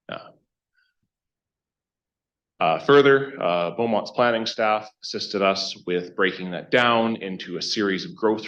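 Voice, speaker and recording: A man with a very low voice presents to a meeting as a project consultant. He talks conversationally and haltingly, often doubling back on his phrases. The sound is slightly muffled, as from a meeting room microphone. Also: fairly bright tone. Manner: halting, conversational, self-interrupting. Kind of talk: informal presentation to a council. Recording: dull, band-limited meeting room microphone.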